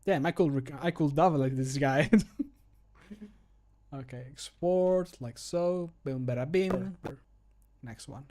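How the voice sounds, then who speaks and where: Jokey man, slightly high-pitched, thinking aloud. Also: slow pace, long pauses, dark tone. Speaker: streamer and modder recording voice lines. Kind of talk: casual livestream commentary. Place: small home room, indoors.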